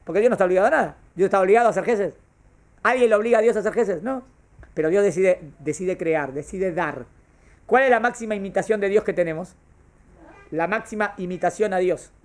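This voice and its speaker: A man, teaching a class on Jewish thought, asking the class questions and answering them himself. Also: sits high. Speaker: Torah teacher.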